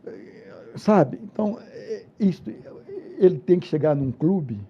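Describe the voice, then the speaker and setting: An older former football coach, a guest in a studio interview, who speaks haltingly, repeating words and restarting phrases. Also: male voice, sits high, animated, dull audio.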